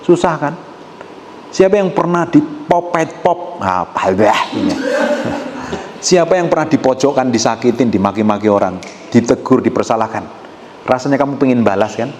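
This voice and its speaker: A male pastor, preaching a sermon and teasing the congregation, swinging between quiet asides and loud outbursts. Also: mid-range voice, animated, moderate pace. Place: church hall with a congregation. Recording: echoey hall with faint room noise.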